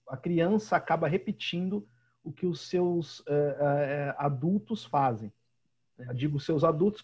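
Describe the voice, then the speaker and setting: A man's voice: a little high, a little mellow, husky. A man with a Brazilian Portuguese accent teaching an online class, chatty and constantly checking in with his students. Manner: chatty, keeps asking "né?". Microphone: video call. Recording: dull lo-fi video call audio.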